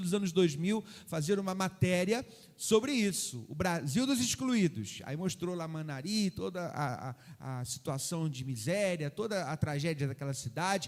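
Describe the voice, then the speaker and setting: Over a silent background on a very clean recording, a man speaks at a moderate pace with a high pitch and lively intonation. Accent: Carioca. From Rio de Janeiro, Brazil. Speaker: missionary pastor. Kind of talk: sermon. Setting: church.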